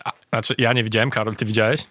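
A man, a travel reporter, chatting in an interview in a relaxed way with hesitant fillers. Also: on the low side, rapid-fire, no echo, clean studio sound. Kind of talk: casual interview chat.

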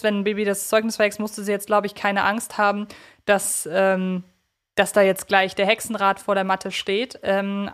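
Mid-pitched woman analysing on a podcast. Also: fairly bright tone. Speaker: podcast co-host.

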